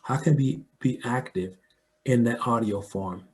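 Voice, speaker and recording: An older American man, likely in his 60s or beyond, speaks at a medium pitch and a measured pace. He's an audio dramatist and filmmaker appearing as an interview guest, reflecting on his life through stories and frequently checking in with the listener.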